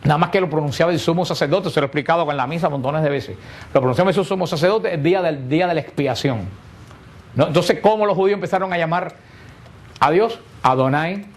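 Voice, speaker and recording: A man with a somewhat high voice leads a catechesis class. He explains patiently, often stopping to throw a question at his listeners before he answers it himself. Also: quick pace. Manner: explanatory, asks rhetorical questions and answers them. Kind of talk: catechesis lesson to a group.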